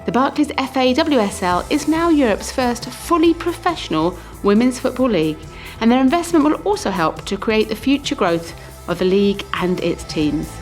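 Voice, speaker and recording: A woman's voice: a little high, a little mellow. A woman hosting a podcast, reading a scripted introduction and interviewing her guest.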